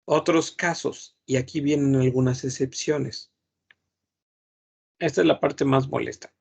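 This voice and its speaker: A man's voice: mid-range voice, steady tone, unhurried, creaky, a little mellow, slightly rough. A man teaching a patient grammar lesson online, repeating each word and humming while he thinks. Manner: patient, repeats words several times, thinks aloud with hums. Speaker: French teacher.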